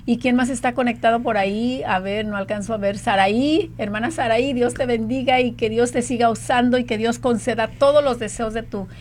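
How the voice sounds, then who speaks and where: A woman's voice: fairly high pitch, brisk, few pauses, darkish tone, slight background noise. A woman hosting a Christian radio talk, chatting with a guest and then leading a fervent prayer. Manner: fervent praying, many fillers. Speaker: radio show host.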